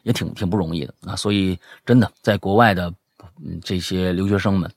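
A man's voice: deep voice, steady tone, brisk, no echo, clean studio sound. A man hosting a casual show, chatting, teasing and reading listener stories aloud. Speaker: host.

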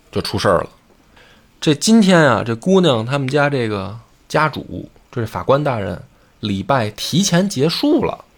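A man telling a folk tale in a chatty, colloquial way, full of lively asides. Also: medium pitch. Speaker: storyteller. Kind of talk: casual storytelling.

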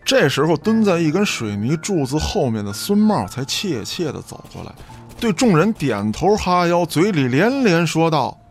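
A man's voice: on the high side, sing-song, normal speed. A man narrating a scripted audio drama as a storyteller, in a dramatic reading style. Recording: background music under the voice.

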